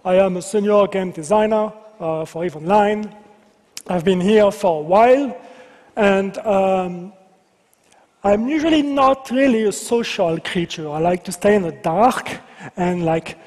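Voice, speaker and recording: Speaking at a measured pace in a fairly high, slightly mellow voice, a French-accented man gives a conference presentation as a game designer. He's playful and self-deprecating, slipping in joking asides. The setting is a large convention hall, and the recording carries its reverberation.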